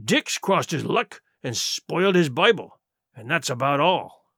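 Cunning old pirate cook, put on by a male narrator. Bright, lively, menacing, rough sailor's talk; dry close recording. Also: a little high, a little slow, no room sound, pitched below the performer's own voice, heavily acted. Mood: scornful.

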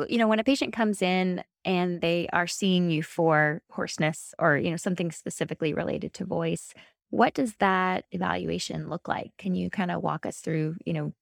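Gravelly, low-voiced woman interviewer. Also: no room sound, studio quality. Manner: conversational, uses fillers like "you know". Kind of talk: interview questions.

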